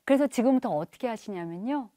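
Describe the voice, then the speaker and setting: A woman lecturing on parenting for a broadcast, her voice sitting a little high and swinging widely in pitch. She keeps asking the audience rhetorical questions and acts out the lines of parents and children in quick voices. The sound is close and dry. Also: animated, dark tone, dry recording. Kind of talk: televised lecture.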